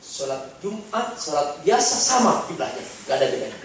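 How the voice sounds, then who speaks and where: A male preacher tells a sermon story in an animated way, swinging from hushed to emphatic. His voice sits somewhat high for a man. He is recorded from far off in a very echoey hall. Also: moderate pace, a little hiss or hum.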